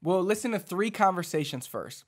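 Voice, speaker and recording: A man in his thirties, a language teacher, explaining a lesson to camera in a casual, encouraging way, speaking into a studio mic in a small dark home studio. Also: high-pitched, normal speed. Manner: animated, talks with his hands, conversational and encouraging. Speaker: Spanish teacher. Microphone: studio mic on boom arm in front.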